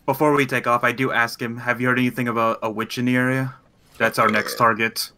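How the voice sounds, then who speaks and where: A man's voice: mid-range voice, little pitch movement, fast, sharp tone. A man taking part in a tabletop roleplay as a player, talking casually as his character.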